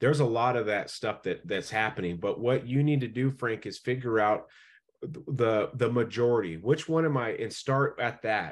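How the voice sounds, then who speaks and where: A man speaks in a plain, everyday voice at a medium pitch. His pace is moderate and his pitch varies in an ordinary way. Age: 40s. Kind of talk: one-on-one coaching session.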